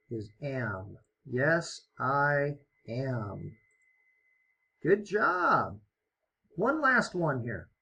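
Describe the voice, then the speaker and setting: A man leads an online English lesson, guiding learners through each answer with slow, patient encouragement. His voice is fairly high and swings up and down a lot. It has a husky edge. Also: bright, forceful tone, muffled recording. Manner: slow, encouraging, explains step by step. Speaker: ESL teacher.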